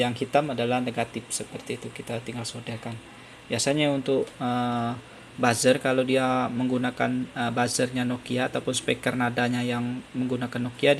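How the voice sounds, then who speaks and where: A man walks through a repair tutorial in a creaky, mid-pitched voice. His intonation stays very even as he explains and restates each step. The home-made recording has clear noise behind him. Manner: explanatory, repeats points step by step. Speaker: phone repair tutorial presenter. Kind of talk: hands-on tutorial narration.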